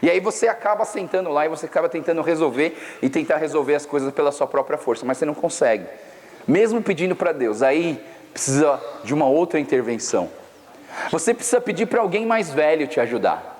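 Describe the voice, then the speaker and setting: A young man from Brazil preaches to a youth camp in a loose, storytelling way full of slang. His voice sits a bit high. The sound rings with the long reverb of a large hall. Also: lively intonation, quick pace, darkish tone. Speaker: pastor.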